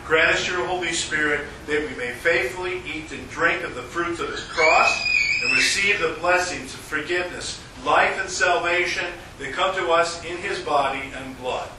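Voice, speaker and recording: A man leading a worship service as pastor, intoning prayers and liturgy in a measured, solemn way, with a cathedral echo around his voice. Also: fairly high pitch. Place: large church sanctuary. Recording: echoey church, mic from far off, noisy.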